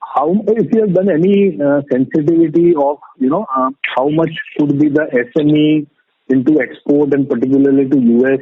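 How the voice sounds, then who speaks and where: A man's voice: a little high, normal speed, husky, no echo. A man with an Indian accent politely and tentatively asking questions as an analyst on a conference call. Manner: polite, tentative phrasing with tags like "right". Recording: dry, tinny phone line.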